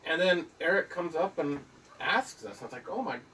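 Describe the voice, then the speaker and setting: A chatty man hosting a live video chat who laughs often as he talks. His voice sits a bit high for a man and comes from a phone set well back, with faint noise behind. The recording sounds loose and informal. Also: expressive, moderate pace, fairly bright tone, distant mic, low-quality recording. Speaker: host.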